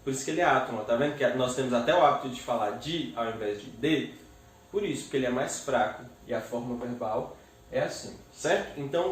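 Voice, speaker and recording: A man's voice: medium pitch, recorded from a distance. Man teaching in an echoey room. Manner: explains step by step, syllabifies words slowly, checks in with "certo?". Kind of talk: grammar lesson. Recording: echoey room, voice away from the mic.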